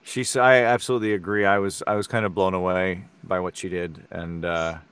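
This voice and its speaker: Low-pitched man in casual podcast conversation. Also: flat delivery, brisk, a bit bright, smooth. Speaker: podcast guest, actor.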